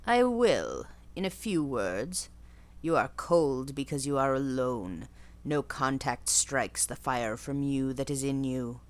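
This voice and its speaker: Harsh old gypsy fortune-teller, voiced by a woman, low and deliberate, storybook crone. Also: expressive, full character voice. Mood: oracular. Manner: slow, low, emphatic pronouncements.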